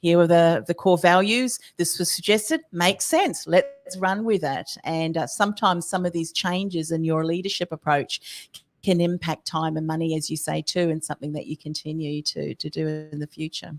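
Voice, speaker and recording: A woman's voice: on the low side, fairly even intonation, normal speed. A woman podcast host asking questions thoughtfully, with plenty of fillers. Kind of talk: interview questions.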